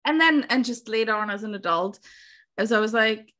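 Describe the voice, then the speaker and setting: A woman's voice: a little high, moderate pace, bright, forceful tone. A woman, chatting casually as a podcast guest and laughing often. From Austria. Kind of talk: casual chat.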